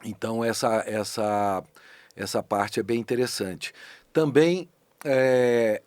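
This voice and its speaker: Animated Brazilian man, voice actor guest. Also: mid-range voice, slow pace, no echo. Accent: Brazilian Portuguese. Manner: thoughtful, animated, with frequent restarts and rising emphasis. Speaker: voice actor and dubbing director, guest. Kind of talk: casual conversational interview. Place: podcast studio.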